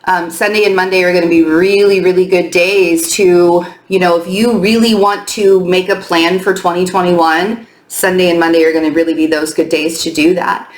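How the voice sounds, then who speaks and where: A woman giving a chatty weekly astrology and tarot update, her voice slightly hoarse as she loses it, with frequent ums. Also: fairly low pitch, steady tone, normal speed, hardly any pauses, echoey room. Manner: chatty, with many ums and loose restarts.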